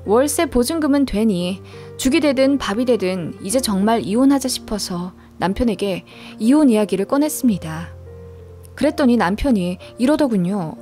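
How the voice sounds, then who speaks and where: A woman narrating a true family story in a steady, earnest storytelling manner. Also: on the high side, normal speed, soft background music.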